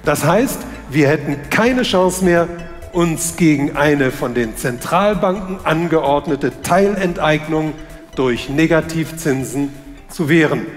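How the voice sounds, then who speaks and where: Older man giving a slow stage lecture. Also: fairly high pitch, faint music behind. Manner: slow, measured delivery. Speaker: conference speaker. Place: large conference hall stage. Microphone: headset microphone. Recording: hall reverb.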